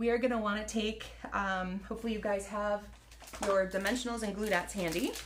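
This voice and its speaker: A woman's fairly even intonation in a room with audible echo. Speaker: card-making crafter. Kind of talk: live crafting tutorial. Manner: fast; casual, encouraging.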